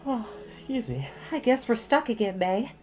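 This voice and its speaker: A woman reader puts on a responsible schoolgirl, the older sister in a storybook. The voice is high and lively, with polite, earnest manners. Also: normal speed, lo-fi sound, soft background music. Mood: reassuring, wry. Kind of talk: children's storybook character voice.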